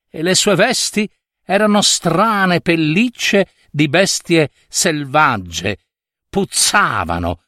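A man narrating a spooky fairy tale, unhurried and lingering on each phrase. His voice rises and falls with great animation, and the recording is close and dry. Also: mid-range voice, no room sound. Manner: slow, dramatic, richly expressive. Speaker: storyteller.

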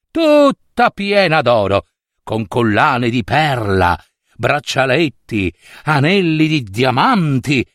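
A man narrating a spooky fairy tale, unhurried and lingering on each phrase. His voice rises and falls with great animation, and the recording is close and dry. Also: mid-range voice, no room sound. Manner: slow, dramatic, richly expressive. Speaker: storyteller.

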